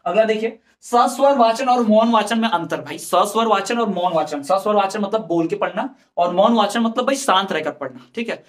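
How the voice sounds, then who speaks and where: A man's voice: high-pitched, normal speed, hardly any pauses. A man teaching an exam-prep lesson, explaining patiently with examples and repeating key terms.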